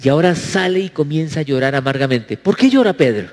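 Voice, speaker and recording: A male pastor preaching a sermon, asking his congregation questions, with sweeping swings in pitch. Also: lively intonation, quick pace, darkish tone, long reverb tail.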